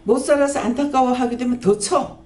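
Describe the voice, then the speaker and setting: A woman pastor, preaching a sermon and scolding with rapid-fire rhetorical questions. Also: high voice, steady tone, dark tone. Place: prayer house church. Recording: echoey church hall, faint background noise.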